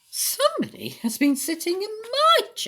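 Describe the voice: A female-sounding put-on character voice pitched extremely high, delivered at a moderate pace.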